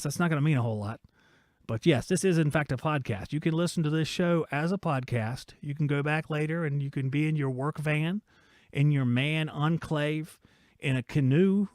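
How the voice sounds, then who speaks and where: A man's voice: fairly high pitch, no room sound, clean studio sound. Rambling, joking man in his forties. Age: 40s. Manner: rambling, joking, reads viewer chat aloud. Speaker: host of a live-streamed shop talk podcast. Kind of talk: casual live-stream chat.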